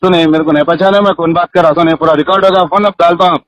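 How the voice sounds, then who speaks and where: Insistent, fast-talking Hyderabadi man on phone. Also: fairly high pitch, fairly even intonation, a little hiss or hum. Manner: insistent, pleading and reproachful, talks over the other person. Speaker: social worker. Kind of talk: heated phone argument. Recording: muffled recorded phone call.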